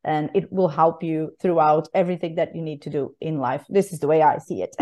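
A woman's voice: sits low, steady tone, a little fast, warm tone. Enthusiastic woman podcast host. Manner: enthusiastic, laughs often while talking. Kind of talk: conversational podcast interview.

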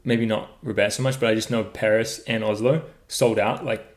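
A man's voice: on the low side, fairly even intonation, normal speed. A young man with a New Zealand accent, co-hosting a casual running podcast in an easygoing, joking way. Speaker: podcast co-host. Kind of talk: casual chat.

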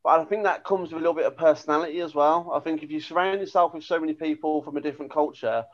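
A man's voice: on the high side, very fast. A man with a Birmingham accent chatting casually as a podcast co-host, rambling and hesitant with lots of fillers. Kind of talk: casual chat. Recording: dull lo-fi sound.

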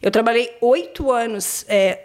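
A Brazilian woman in her thirties tells her story with lively, exclamatory energy. Her voice sits on the higher side and carries a Brazilian Portuguese accent. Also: measured pace. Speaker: exchange agent, podcast guest. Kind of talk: casual podcast interview.

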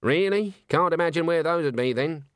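A man's voice: on the high side, moderate pace, fairly bright tone, smooth, dry recording, studio quality, pitched above the performer's own voice, natural voice. A man voicing a stern, stubborn elderly witch in a storybook, curt and disapproving, with rustic turns of phrase. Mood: curt, scornful.

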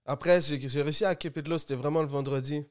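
A man in his twenties from Guadeloupe with a Guadeloupean accent, a music producer talking as a guest in a relaxed, easygoing way. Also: a little high, fast. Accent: Guadeloupean French. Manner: relaxed, laid-back, mixes English slang. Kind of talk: casual podcast chat.

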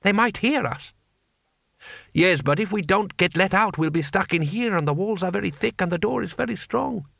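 A man's voice: high-pitched, lively intonation, moderate pace, gravelly, a bit bright, no echo, studio quality, pitched above the performer's own voice, full character voice. A man voicing a timid, deferential captured guard who talks meekly, in an audiobook story. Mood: anxious, baffled. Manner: meek, pleading.

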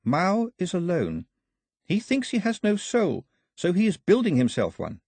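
A soft, urgent spirit voice that seems to float in the air, pleading and questioning, as a male narrator puts it on. It sits well above his usual pitch and keeps a slightly husky edge. The sound is dry and close. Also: wildly swooping pitch, unhurried, no echo, full character voice. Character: disembodied female voice in the air, gentle and urgent.

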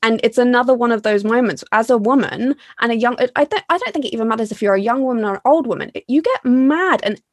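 A woman's voice: on the high side, fast, hardly any pauses, dry recording, studio quality. A young woman hosting a casual chat, asking long earnest, emotional questions that ramble. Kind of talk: casual podcast interview.

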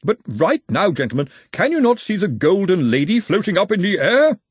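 A man's voice: high-pitched, big pitch swings, normal speed, breathy edge, no room sound, pitched above the performer's own voice, exaggerated voice. A man voicing a pompous, over-precise male referee in an audiobook. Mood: haughty.

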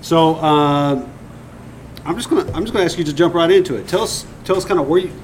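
A man's voice: on the high side, fast talker. A man hosting an interview, chatty and joking as he introduces his guest. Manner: chatty, joking, rambling restarts. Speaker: show host. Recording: noisy room with background hum.

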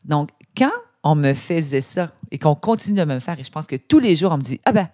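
A woman from Quebec with a Québécois accent, a guest telling her experiences in a conversational interview, animated and quoting others as she goes. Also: low-pitched, a little fast. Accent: Québécois French. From Quebec, Canada. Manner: animated storytelling with imitated quotes.

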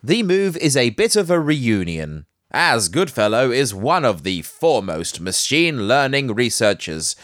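A man's voice: medium pitch, fairly bright tone, no echo, clean studio sound. A man hosting a casual tech news podcast. He is nasal from hay fever and breaks up the news with joking asides. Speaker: podcast host.

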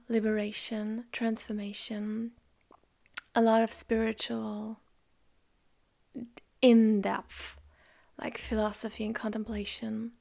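A woman whose first language is German hosts a spiritual podcast, talking in a soft, slow, reflective way that often drops close to a whisper. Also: medium pitch, creaky. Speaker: podcast host. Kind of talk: calm spiritual podcast monologue.

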